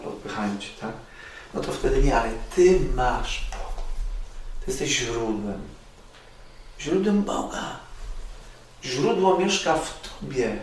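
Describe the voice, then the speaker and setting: Man preaching in a very echoey space. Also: medium pitch. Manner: earnest, repetitive exhortation with sudden loud rises and soft drops. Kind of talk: sermon. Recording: very echoey, distant mic with faint noise.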